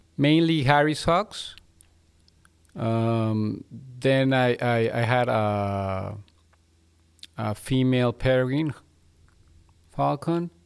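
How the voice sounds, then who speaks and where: A man speaks at a very slow pace in a Mexican accent, his pitch medium. Long, frequent pauses break up his speech. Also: ordinary pitch variation. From Mexico City. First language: Spanish. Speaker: falconer. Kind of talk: casual interview chat. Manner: halting, repeats words.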